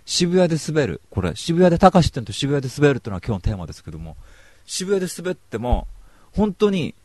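Fast, animated young man hosting radio. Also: on the high side, no echo. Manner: animated, joking storyteller. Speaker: radio show host. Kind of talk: casual radio talk.

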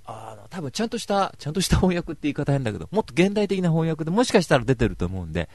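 A man's voice: fairly high pitch, big pitch swings, racing, creaky, a little mellow, no echo. A man giving a casual, rambling book review, wry and self-mocking.

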